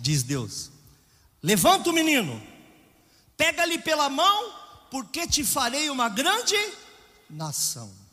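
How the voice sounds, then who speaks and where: A man speaks at a very slow pace, leaving long, frequent pauses. Audible room echo and noticeable background noise fill the recording. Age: 50s. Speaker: pastor. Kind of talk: sermon.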